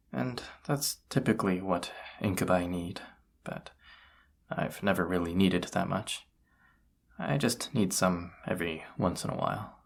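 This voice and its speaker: Man playing a husky, low-voiced, hesitant incubus. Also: exaggerated voice. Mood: thoughtful, casual. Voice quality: husky, gravelly. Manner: hesitant, halting, soft-spoken, awkward. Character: tired, flustered male incubus roommate confessing feelings. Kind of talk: roleplay audio drama, intimate one-sided dialogue.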